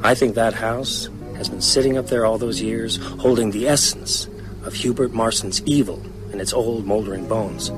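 A man's voice: on the low side, normal speed, over music, lightly acted, poor audio. An actor playing a haunted, reflective male novelist in a radio drama, talking hesitantly as he confides. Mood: brooding. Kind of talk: naturalistic radio drama dialogue.

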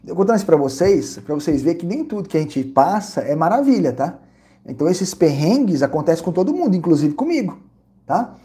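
A Brazilian man vlogging casually, telling an animated, repetitive story with lots of exclamations. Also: on the high side, brisk. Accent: Brazilian Portuguese. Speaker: vlogger reviewing credit card perks and hotels.

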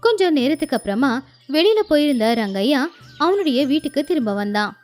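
A woman's voice: high voice, very animated, brisk, a little mellow, faint music behind. A woman narrating a moral story for a children's channel in a storytelling manner.

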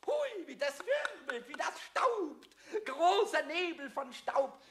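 A man voicing a small, cheeky, childish kobold in a children's radio play, squeaky, boastful and melodramatic. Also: big pitch swings, slow pace, slight background noise, full character voice. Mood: defiant, cheeky. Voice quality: squeaky, screechy.

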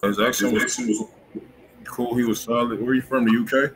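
A man's voice: mid-range voice, steady tone, moderate pace. An American man, around his thirties, chatting casually and slangily as the host of a livestreamed music review show. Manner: slangy, informal. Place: indoor room at home, on a livestream. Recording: noisy room webcam stream.

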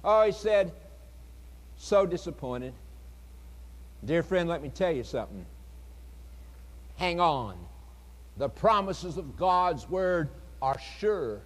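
A man preaching a revival sermon, earnest and pleading, with dramatic pauses and swings between loud and soft. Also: fairly high pitch, big pitch swings. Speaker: evangelist preacher. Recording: long hall reverb.

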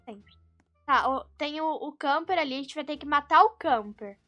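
A young Brazilian woman gives excitable game commentary in a very high, bright voice over background music. She is dramatic and easily scared as a streamer, exclaiming and repeating short phrases as she plays. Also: normal speed, lo-fi sound. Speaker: gaming streamer.

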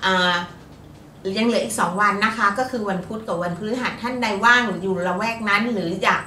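A woman's voice: medium pitch, fairly quick, pushed and bright, far from the mic, a little hiss or hum. A woman co-hosting as an astrologer, talking in a chatty, upbeat way and laughing easily. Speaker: astrologer co-host. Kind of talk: casual chat. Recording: echoey room, voice from off-mic.

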